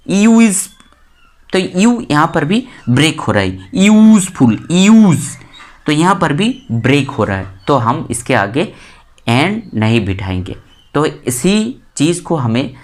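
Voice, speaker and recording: Woman teaching grammar, repeating example words. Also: low-pitched. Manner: repeats example words slowly and stresses them. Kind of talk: explanatory lesson in Hindi.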